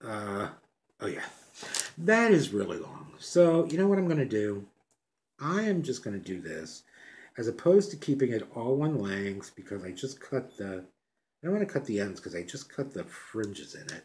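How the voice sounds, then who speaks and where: Soft-spoken and mumbling, a man at a medium pitch talks at a moderate pace with very wide pitch swings and big swings in loudness. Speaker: crafting video creator. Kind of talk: tutorial.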